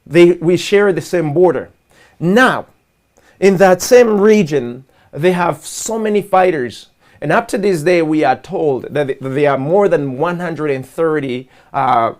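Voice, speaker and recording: A man from Rwanda hosts a political talk over a video call, his voice sitting a little high for a man. He explains things earnestly and patiently, and he often stumbles and restarts mid-phrase as he builds his argument. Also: darkish tone. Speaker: host. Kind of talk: political commentary monologue. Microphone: live video call.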